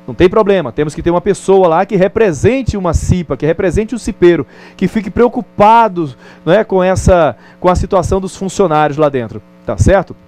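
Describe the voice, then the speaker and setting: A man's voice: sits high, fairly quick, hardly any pauses, a little mellow. A man with a Brazilian Portuguese accent teaching a recorded distance-learning lesson in a conversational way, often checking in with the viewer.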